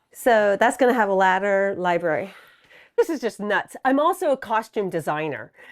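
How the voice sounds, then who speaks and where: A woman talks at a moderate pace with lively intonation and a medium pitch. Hers is an unremarkable speaking voice. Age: 60s. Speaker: co-op resident, costume designer. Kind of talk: casual chat.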